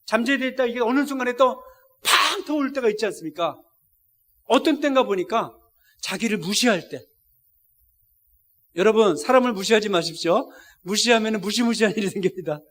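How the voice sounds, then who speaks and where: A man's voice: high voice, a little fast, long pauses, fairly bright tone. A middle-aged man preaching a sermon as a missionary, telling a story with feeling and speaking straight to the congregation. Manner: emotional storytelling, directly addressing the congregation. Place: church service.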